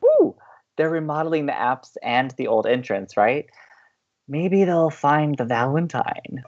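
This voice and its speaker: A man playing an excitable, idealistic young campus radio co-host in an audio drama, with a playful, opinionated way of bantering. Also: a little high, a little slow, lo-fi sound. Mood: eager, teasing.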